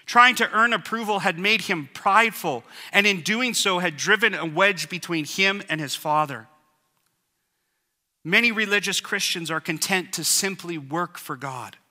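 A male pastor preaching an earnest, measured sermon. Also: sits high, bright, forceful tone, long reverb tail.

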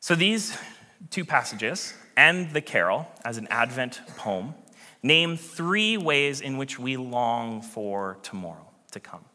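A man preaching a sermon to his congregation, earnest and animated, often dropping to a hush at the ends of phrases. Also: mid-range voice, takes it slowly. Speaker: pastor. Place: church sanctuary. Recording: long reverb of a large church hall.

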